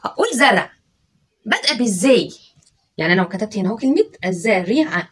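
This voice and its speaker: In a children's spelling and dictation lesson, a woman teacher speaks in a mid-range, breathy voice with an Egyptian Arabic accent. She coaxes patiently, drawing out each syllable and sounding out the letters one at a time.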